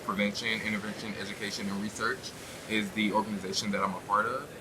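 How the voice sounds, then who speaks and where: Plainspoken low-voiced Mississippi man. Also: fast talker. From Mississippi, US South. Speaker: HIV prevention peer worker. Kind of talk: short testimonial interview. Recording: steady background noise.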